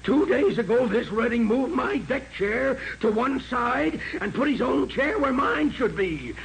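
An actor playing an indignant, belligerent ship passenger making demands in a 1940s radio drama. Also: male voice, very high-pitched, animated, unhurried, gravelly, heavily acted, low-quality recording. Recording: old radio recording with crowd-like noise.

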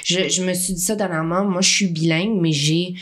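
A woman's voice: fairly low pitch, fairly even intonation, fairly quick. A Québécois actress in her thirties, chatting earnestly in an interview and repeating words as she thinks. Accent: Québécois French. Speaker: actress, podcast guest. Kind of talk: casual interview chat.

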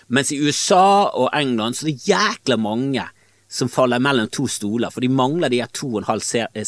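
Opinionated man with lively pitch. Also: no room sound. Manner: opinionated, rambling, swears freely. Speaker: podcast host. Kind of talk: casual solo podcast monologue. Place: small storage room.

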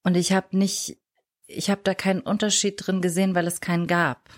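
A woman who grew up in Germany tells her own story as a podcast interview guest, reflective and often pausing to search for words. Her voice is on the low side, with a flat delivery.

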